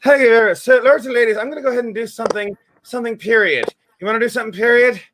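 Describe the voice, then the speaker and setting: A man's voice: very high-pitched, racing, noisy background. A man, a musician guest on a video call, chatting in a jokey, playful way. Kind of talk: casual video-call chat.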